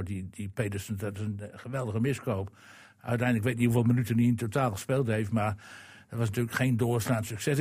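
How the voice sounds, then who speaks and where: Husky man arguing football opinions. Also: mid-range voice, darkish tone. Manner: opinionated and argumentative. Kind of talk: casual football chat.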